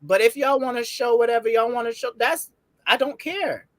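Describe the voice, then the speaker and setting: A young adult woman co-hosting a casual TV review show at home, chatty and quick to laugh, with loose slang. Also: fairly high pitch, dry recording.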